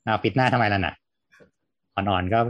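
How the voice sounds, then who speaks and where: A man hosting a casual podcast chat, explaining ideas in a rapid, chatty flow. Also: fairly low pitch, no room sound, highs cut off. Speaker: host.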